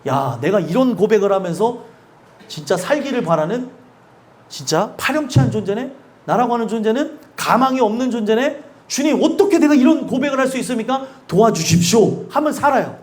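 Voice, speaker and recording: A man preaches a sermon in an unusually high voice for a man, his pitch rising and falling widely. He talks to the congregation directly and keeps putting questions to them. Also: lively intonation, brisk. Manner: emphatic and conversational, often asking the congregation questions; acts out quoted speakers with sudden drops in pitch and loudness. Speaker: pastor.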